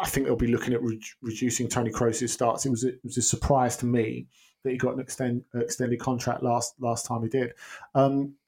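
Male podcast guest, mid-range voice, halting analytical delivery. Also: medium pitch, a little mellow. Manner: hesitant, many restarts and ums. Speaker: football pundit guest. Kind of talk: casual podcast chat.

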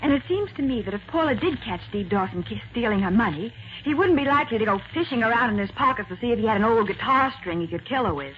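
Sharp American woman sleuth, old muffled radio drama played by an actress. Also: fairly high pitch, expressive, fast, few pauses, close to an everyday voice. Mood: thoughtful. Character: sharp, determined young woman detective's assistant, confident and observant. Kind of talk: 1940s radio drama acting. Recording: noisy muffled 1940s radio recording.

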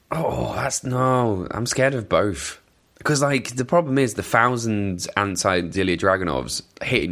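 A man's voice: lowish voice, fairly bright tone. A young Welsh man with a Welsh accent, hosting a podcast and answering listener questions in a chatty, self-deprecating, rambling way. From Wales. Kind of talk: casual chat.

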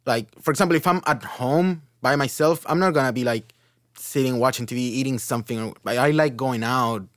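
A man's voice: mid-range voice, a little fast, fairly bright tone, dry recording, clean studio sound. A man from Chile talking casually as a podcast guest, rambling with lots of fillers.

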